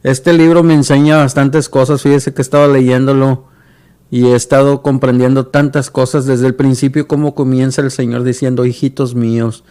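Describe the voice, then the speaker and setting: A man's voice: medium pitch, level tone, moderate pace, dark tone, smooth. Earnest male Christian radio host. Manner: earnest, repeats words when searching.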